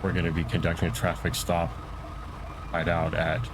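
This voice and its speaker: A man with a fairly deep voice talks viewers through a video game. His delivery is casual and conversational, feeling its way through phrases without hurry. There is audible background noise. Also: completely flat delivery, normal speed. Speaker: streamer and tutorial host, playing a police officer. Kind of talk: casual tutorial and game roleplay commentary.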